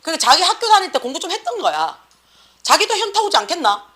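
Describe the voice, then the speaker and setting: Brisk, high-voiced Gyeongsang teacher scolding. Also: female voice. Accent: Gyeongsang Korean. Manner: blunt, animated, slangy, scolding. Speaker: academy teacher. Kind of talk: classroom lecture and scolding.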